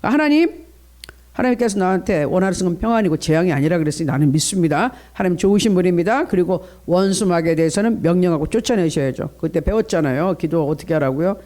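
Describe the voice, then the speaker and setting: A man's voice: sits high, lively intonation, fast, darkish tone. A middle-aged male pastor preaching at a dawn prayer service, earnest, coaching the congregation in how to pray and asking for their responses.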